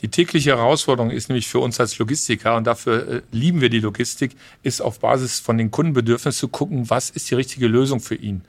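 Male guest, trade fair podcast, explanatory and businesslike, mid-pitched voice. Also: fast talker, few pauses. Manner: explanatory, businesslike, many restarts. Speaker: logistics company representative, guest.

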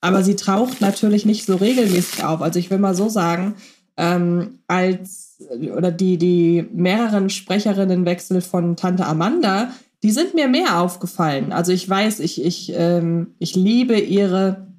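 A woman's voice: on the low side, measured pace, darkish tone. A woman co-hosting a podcast, chatting enthusiastically and thinking aloud with fillers. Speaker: podcast co-host. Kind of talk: casual podcast chat about radio plays.

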